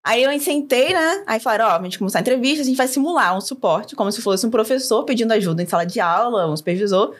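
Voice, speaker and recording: A young woman from Brazil with a Rio de Janeiro accent, telling a story as a podcast guest in an animated way, laughing often and acting out quoted lines. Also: on the high side, fast talker, hardly any pauses. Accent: Rio de Janeiro Portuguese. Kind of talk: casual storytelling.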